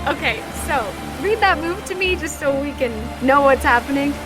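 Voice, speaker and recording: Music plays behind this female game master as she narrates a tabletop game off the cuff in a chatty way, sprinkling in plenty of "like". She speaks at a moderate pace in a high, expressive voice.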